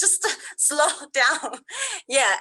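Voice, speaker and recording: This voice has a bright, sharp tone, a moderate pace and lively intonation, with a Chinese accent. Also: woman. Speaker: language teacher. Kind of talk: casual chat.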